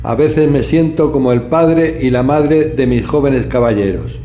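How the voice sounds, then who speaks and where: An actor playing an old, wrinkled manservant, deferential and fussily worried, in an audio horror drama. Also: male voice, mid-range voice, a little slow, natural voice. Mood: deferential worry. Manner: deferential, hesitant, gossipy. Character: old wrinkled male college servant, deferential, worried, fussy. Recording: roomy echo, soft music behind.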